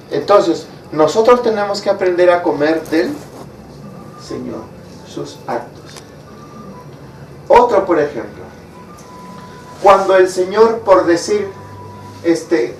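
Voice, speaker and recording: Preaching slowly, a high-voiced man keeps pausing to put rhetorical questions to his congregation. The mic is far away in a strongly echoing room, with faint ambient noise.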